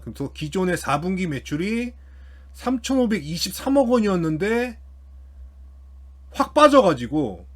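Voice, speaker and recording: A man giving casual explanatory financial commentary as an online host, informally thinking aloud as he works through figures. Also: fairly high pitch. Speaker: YouTube host commenting on company earnings.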